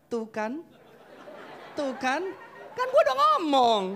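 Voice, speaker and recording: A man mimicking his gloating wife, shrill and high. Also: wildly swooping pitch, takes it slowly, vocal fry, bright, forceful tone, a faint crowd, slight background noise, heavily acted. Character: teasing wife, adult woman, told-you-so.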